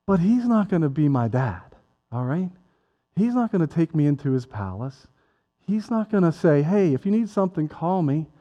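A man's voice: a little high, big pitch swings, moderate pace. A man preaching a sermon as pastor, talking conversationally and joking with people in the congregation. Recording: dull lo-fi sound with long hall reverb.

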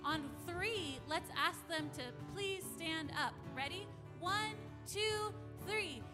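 높은 목소리로 천천히 말하는 유치원 선생님 같은 여성. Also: female voice, extremely high pitch, slow pace. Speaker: children's song leader at church. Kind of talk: addressing children, giving instructions. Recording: music behind the voice.

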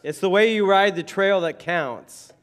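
Hoarse man preaching in a reverberant hall. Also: sits high, a little slow. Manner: rambling, conversational, many fillers. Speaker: pastor. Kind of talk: casual sermon.

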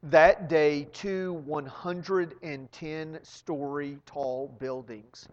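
Slow-talking pastor guy, kinda high voice, long hall echo, dull sound. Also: steady tone. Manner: slow, earnest, dropping to near whisper. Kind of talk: sermon.

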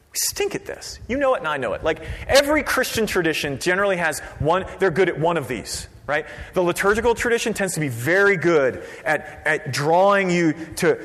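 Animated pastor in an echoing hall. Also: male voice, fairly high pitch. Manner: conversational, lively, drops to quiet for emphasis. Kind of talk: sermon. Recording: long reverb of a large hall.

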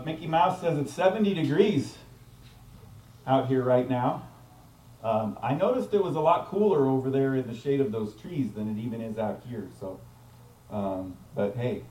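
Man, pastor, outdoor sermon, casual, slightly high voice, echoey. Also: a little mellow, distant mic. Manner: casual, frequent fillers and restarts. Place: outdoors in a park.

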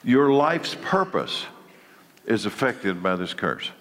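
A man's voice: lowish voice, very animated, slow pace, a bit bright, long reverb tail. A congested man leading a church Bible study, preaching in a conversational way that often restarts his phrases. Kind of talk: church teaching session.

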